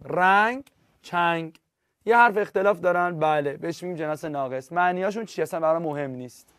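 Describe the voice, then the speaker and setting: A man's voice: fairly high pitch, no room sound, studio quality. A man teaching literature in an online class, talking straight to his students and repeating key terms.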